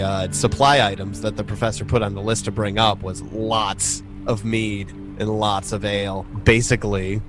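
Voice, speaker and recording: A man with a lowish voice narrates a tabletop game as its game master. He improvises descriptions casually and haltingly. Music plays clearly behind him. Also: a bit bright.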